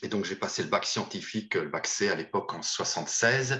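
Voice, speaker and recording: Speaking at a moderate pace, a man talks with a German accent. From France, Paris region (Yvelines). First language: German (speaking French). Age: 60s. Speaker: former monk, hospital chaplain. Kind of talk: interview testimony. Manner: hesitant, many fillers.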